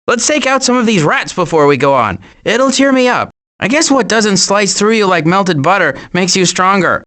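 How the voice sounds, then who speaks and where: A wisecracking cartoon animal for a video game. He is cocky and glib, with lively, swinging intonation and a breezy way with a quip. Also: high voice, normal speed, heavily acted.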